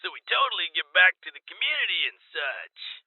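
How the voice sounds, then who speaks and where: An actor playing an over-eager, weird gang bro who insists he is normal, pitching on a tinny radio spot in an audio drama. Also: very animated, fairly quick, gravelly, slightly rough, dry recording, exaggerated voice. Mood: shifty, boastful. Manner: over-eager dude-bro, peppers talk with amigo and bro. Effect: tinny radio filter. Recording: tinny narrow-band radio sound.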